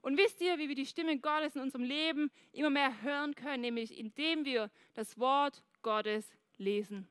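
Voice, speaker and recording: A woman preaches a sermon at a church service, her voice high and bright. She talks lively and straight to her listeners, and the sound is dry and close with little room. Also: moderate pace, hardly any pauses, no room sound. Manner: lively, addresses the congregation directly.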